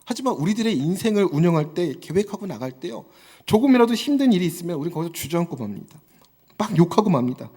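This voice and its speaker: A man in his thirties preaching a Sunday sermon, his high voice swinging widely as he builds to fervent exhortation. He acts out little quotes along the way. Long reverb from a large church hall hangs on every line. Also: sing-song, fast talker, warm tone, breathy edge.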